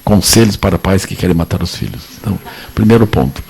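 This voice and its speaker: A man with a Brazilian Portuguese accent giving a relaxed, joking Buddhist talk to an audience, often repeating little tag phrases. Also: low-pitched, fast talker, gravelly, a little hiss or hum. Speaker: Buddhist teacher. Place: lecture at a meditation center.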